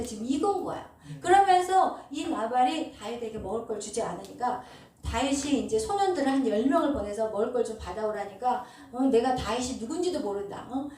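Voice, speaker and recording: A woman pastor delivers an emphatic sermon in a high, mellow voice. She stands off-mic in a cavernous, echoing church, and a faint room hum sits underneath. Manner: emphatic preaching with call-and-response. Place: church sanctuary. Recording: echoey hall, distant mic.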